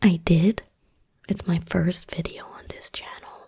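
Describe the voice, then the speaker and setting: A woman whispers in a soft-spoken way. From Netherlands. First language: Dutch. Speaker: ASMR YouTuber. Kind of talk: ASMR storytime rambling. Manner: whispering and soft-spoken; casual, rambling.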